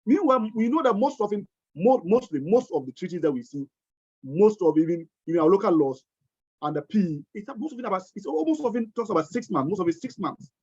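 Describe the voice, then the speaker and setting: A man's voice: sits high, animated, quick pace, a little mellow, husky, no echo. A man giving a webinar lecture, emphatic and often repeating or restarting his words. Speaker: webinar presenter on tax treaties. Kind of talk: lecture-style webinar talk. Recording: dull, lo-fi webinar audio.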